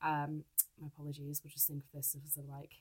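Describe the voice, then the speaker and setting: A woman's voice: sits low, completely flat delivery, a little fast, darkish tone, husky. A woman hosting a podcast interview, her voice stuffy from a cold, gushing and enthusiastic, laughing often. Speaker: podcast host. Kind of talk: casual interview chat.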